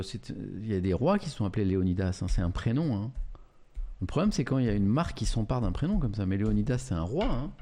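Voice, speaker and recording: A man's voice: on the low side, dark tone. A man, streaming live and reading out and reacting to viewer chat in a chatty, amused way.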